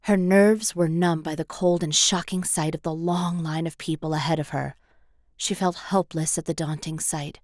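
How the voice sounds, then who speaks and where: Female audiobook narrator, lower register, measured articulate read, dry close-mic recording. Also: creaky, no echo. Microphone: close studio voice-over microphone.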